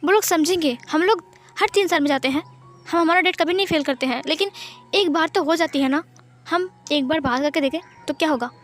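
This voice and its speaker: A woman voicing a defensive young man who haltingly explains himself to his parents in a fan story reading. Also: high voice, faint music behind, natural voice. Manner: hesitant, explaining.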